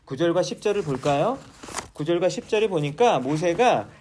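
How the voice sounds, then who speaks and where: A man's voice: on the high side, expressive, moderate pace, noisy background. A male pastor preaching a sermon in a church, asking the congregation questions and then answering them himself.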